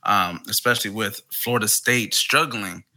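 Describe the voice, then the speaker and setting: A man co-hosting a sports podcast with a smooth, easygoing and slightly hesitant delivery. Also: lowish voice, moderate pace, bright, forceful tone. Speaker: podcast co-host. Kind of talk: casual sports talk.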